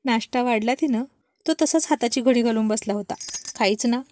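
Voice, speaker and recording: A woman storyteller narrating a love story in an expressive read-aloud manner. Her voice sits fairly high and is mellow. The recording is dry and close. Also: brisk, no echo.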